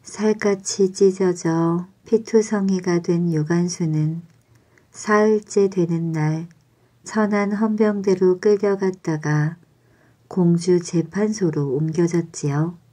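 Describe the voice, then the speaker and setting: A woman narrating bedtime stories in a calm, soothing, measured way. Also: lowish voice. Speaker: storyteller.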